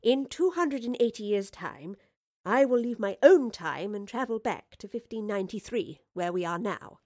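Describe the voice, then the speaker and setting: A woman's voice: mid-range voice, expressive, darkish tone, no echo, clean studio sound, natural voice. A woman voicing an educated young Victorian lady inventor, earnest and anxious, in an audiobook story. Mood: earnest, explaining. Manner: well-spoken, earnest, halting when explaining. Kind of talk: acted audiobook dialogue.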